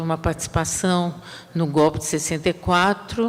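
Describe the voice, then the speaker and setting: A woman with a fairly low pitch speaks at a moderate pace with fairly even intonation over noticeable background noise. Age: 70s. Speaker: political activist and panelist. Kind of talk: panel talk.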